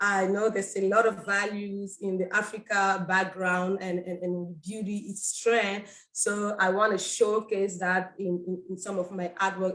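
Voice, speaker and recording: The speaker has a Cameroonian accent and talks at a fairly slow pace with hardly any pauses. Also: woman. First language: French. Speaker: artist. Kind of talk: artist presentation. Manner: halting, many fillers and repetitions.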